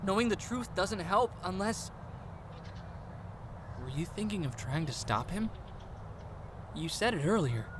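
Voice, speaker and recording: A man's voice: high voice, lively intonation, unhurried, pauses often. A man acting an earnest, blunt young escaped test subject in an audio drama, sounding worried. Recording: clearly noisy outdoor ambience bed.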